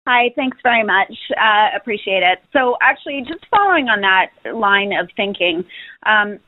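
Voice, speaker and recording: A woman's voice: mid-range voice, expressive, moderate pace, dry recording. A woman speaking as a financial analyst, putting several questions on an earnings call with hesitant, restarted phrasing. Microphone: phone. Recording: dry, tinny telephone line.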